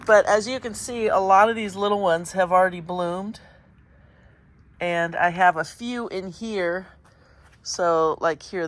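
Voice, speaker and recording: A woman with a congested, sniffly voice chatting casually as she walks through her garden in the morning, pointing things out in a meandering way. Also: on the low side. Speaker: garden vlogger. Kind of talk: casual walk-through commentary. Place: outdoor home garden in early morning.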